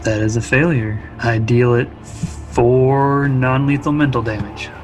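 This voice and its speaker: A man's voice: mid-range voice, steady tone, unhurried, faint music behind, low-quality recording. A man speaking informally and conversationally as a player in a tabletop roleplaying game. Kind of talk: casual game-table talk.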